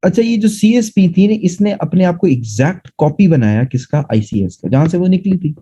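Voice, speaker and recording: A man's voice: sits high, expressive, moderate pace, dark tone, slightly rough, rough recording. A man teaching a classroom lecture, explaining step by step and often checking that students follow. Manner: explanatory, asks students rhetorical check questions. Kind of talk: classroom lecture mixing Urdu and English.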